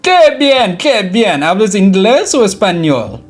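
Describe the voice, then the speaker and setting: A man's voice: very animated, heavily acted. A man voicing a cheerful, eager childlike cartoon hedgehog, over music. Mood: friendly, eager. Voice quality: squeaky. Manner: exclaiming, mixing Spanish with halting English.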